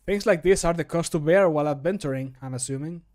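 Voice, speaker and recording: A man's voice: a little high, quick pace, a little mellow, lightly acted. A man voicing a wry fantasy game adventurer, theatrical and projected, recorded close to the microphone. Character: wry male fantasy game adventurer cracking bear puns. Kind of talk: video game voice line takes. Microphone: close studio microphone.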